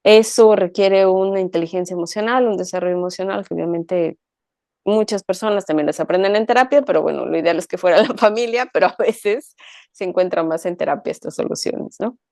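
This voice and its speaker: Warm, dry-toned woman musing on emotions. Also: on the low side, fairly quick, gravelly, no room sound. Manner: reflective, uses frequent tag questions. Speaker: co-host. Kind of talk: conversational talk show discussion.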